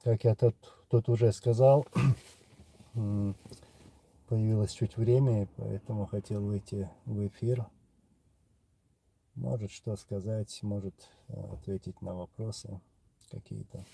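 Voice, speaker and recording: Casting: Chechen-accented male streamer, low and gravelly, unhurried, reading out viewer questions. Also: steady tone, warm tone. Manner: unhurried, pausing often with filler sounds. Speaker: livestream host answering viewer questions. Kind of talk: casual live chat reading comments.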